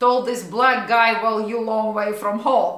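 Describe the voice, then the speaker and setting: The voice has a Russian accent. Audible room echo is present. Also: woman. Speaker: rideshare driver vlogger. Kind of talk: casual storytelling vlog. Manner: halting, repeats words.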